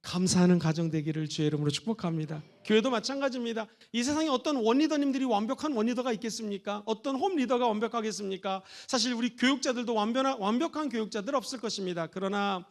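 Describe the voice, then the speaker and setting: A middle-aged man from Seoul preaching a church sermon as pastor, moving between loud exhortation and soft, intimate asides. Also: high voice, fast talker, hardly any pauses. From Seoul, South Korea. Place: church sanctuary.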